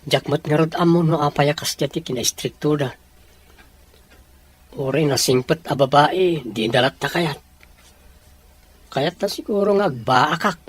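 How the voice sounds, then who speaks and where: A performer acts out a young Filipino man in a family audio drama. His voice is husky and breathy, with a Filipino accent. He is a loyal grandson who chafes at strict parents. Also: fairly high pitch, measured pace, pauses often. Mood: frustrated. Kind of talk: Ilocano audio drama acting.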